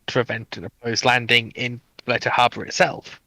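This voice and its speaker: A man with a bright, crisp-edged voice talks casually as a panelist in a live discussion. He sounds close and dry, at a middling pitch. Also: flat delivery, fairly quick, dry recording, poor audio.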